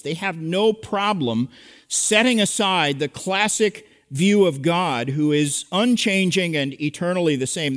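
Man, preacher, high-pitched, emphatic teaching tone, church sanctuary, long hall reverb. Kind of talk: expository sermon.

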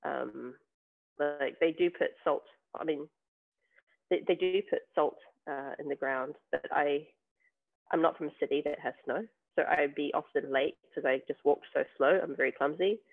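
Creaky New man on a tinny line. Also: fairly high pitch, normal speed. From New Zealand. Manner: hesitant, many ums and restarts. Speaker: podcast guest, software tester. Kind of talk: casual interview chat. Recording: tinny phone-like remote call.

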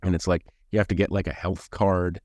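A male podcast host with a very low voice asks questions in a halting way, restarting phrases and filling pauses. The recording is dry and close, without room echo. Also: flat delivery, a little mellow. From English-speaking country. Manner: halting, many restarts and fillers. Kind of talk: casual interview chat.

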